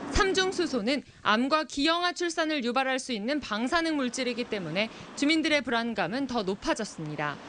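A woman's high-pitched voice swings very widely in pitch as she talks with hardly any pauses. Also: moderate pace. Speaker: news reporter. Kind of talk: news report.

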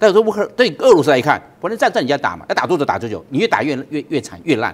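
Talking at a very fast pace, a man uses vocal fry and very wide pitch swings. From Taiwan. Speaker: retired military general; guest. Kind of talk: political talk show interview. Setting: studio. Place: studio. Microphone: lapel.

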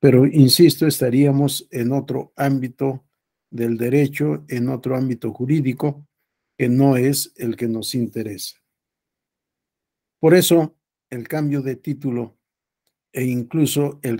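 Against a quiet background, a man with a dark, mellow tone speaks at a fairly slow pace, with long, frequent pauses and fairly even intonation. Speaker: lecturer. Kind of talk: lecture. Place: home room.

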